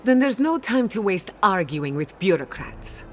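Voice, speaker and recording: A woman's voice: medium pitch, sing-song, measured pace, soft background music. A woman playing a passionate, defiant scholar of soul science in a fantasy video game, speaking with dramatic, pointed emphasis. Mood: indignant. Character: passionate, defiant female animancer fighting for her blighted land. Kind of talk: video game character acting.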